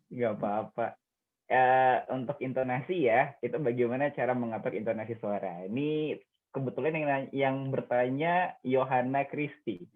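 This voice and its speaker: A young man, a radio and TV presenter, explaining speaking tips in an online discussion and acting out examples with big jumps in pitch. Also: moderate pace. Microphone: video call. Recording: tinny phone-like call audio.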